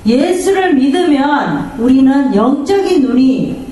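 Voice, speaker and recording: A woman's voice: sits high, animated, slow, warm tone. A woman pastor preaching a sermon, drawing amens from the congregation and acting out the voices she quotes. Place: church sanctuary. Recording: echoey church hall from far off.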